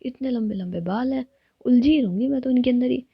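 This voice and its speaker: A woman's voice: high voice, fairly quick, gravelly, slightly rough, no echo, muffled recording, pitched above the performer's own voice, heavily acted. Woman voicing a teasing tomboyish girlfriend, whispered role-play. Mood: playful. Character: tomboyish young woman, teasing and affectionate lover.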